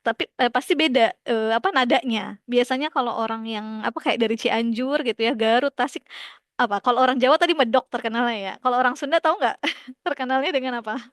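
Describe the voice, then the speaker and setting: Woman, lecturer, classroom lecture, casual, asks students questions, fairly high voice. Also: a little fast, no echo, studio quality. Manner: explains and quizzes students in casual speech.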